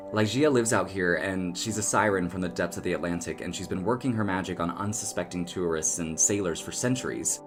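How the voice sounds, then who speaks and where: A man plays a protective young townsman in an audio drama. His voice is on the low side, casual and earnest with an exasperated edge. Faint music runs behind him. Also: lightly acted. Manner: casual, earnest, gently scolding.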